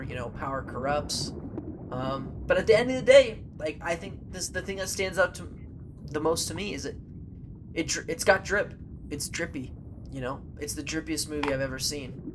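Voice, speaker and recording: A man's voice: a little high, background noise. Rambling, playful male podcast host. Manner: playful, rambling, many fillers. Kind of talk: casual movie chat.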